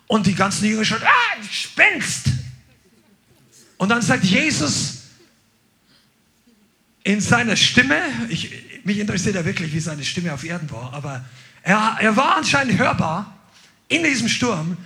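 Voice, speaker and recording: High-voiced, energetic male preacher. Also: moderate pace. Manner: energetic, exclaiming to the congregation. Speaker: pastor. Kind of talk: sermon.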